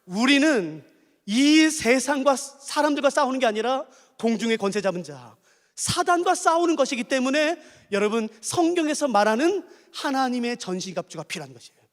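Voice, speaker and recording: High-voiced male pastor preaching. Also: in a large hall. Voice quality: emphatic, repeats key phrases. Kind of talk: sermon.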